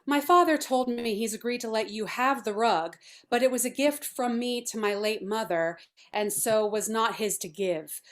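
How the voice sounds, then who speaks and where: Film table read: actress as brisk feminist artist, higher register, haughty, matter-of-fact, unembarrassed. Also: female voice, close to an everyday voice. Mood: businesslike, blunt. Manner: clinical, formal, matter-of-fact.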